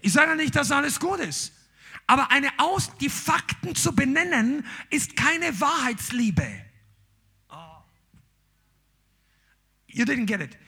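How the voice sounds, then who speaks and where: A man's voice: very high voice, very animated, takes it slowly, pauses often, pushed and bright. A man preaching a sermon as a pastor, emphatic and exclaiming.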